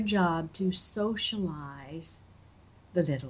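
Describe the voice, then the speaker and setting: A woman speaks with an American accent. Her fairly low voice is somewhat breathy. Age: 70s. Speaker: hypnosis and NLP trainer. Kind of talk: interview.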